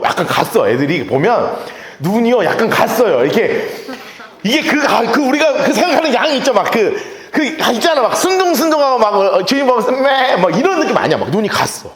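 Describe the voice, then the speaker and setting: A male pastor preaching a sermon in a lively, storytelling way, often laughing as he talks. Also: high-pitched, roomy sound. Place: church sanctuary.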